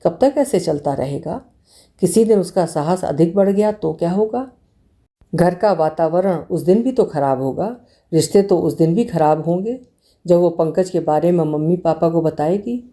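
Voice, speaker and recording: Dark-voiced woman reading a story. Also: on the low side. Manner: measured, expressive reading. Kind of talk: reading a short story aloud.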